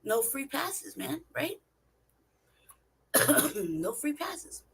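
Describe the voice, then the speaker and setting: A woman's voice: high-pitched, very animated, extremely slow, creaky, fairly bright tone. Profane, emphatic woman ranting. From California, United States. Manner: profane, emphatic, rhetorical questions. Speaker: vlogger. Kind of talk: casual monologue.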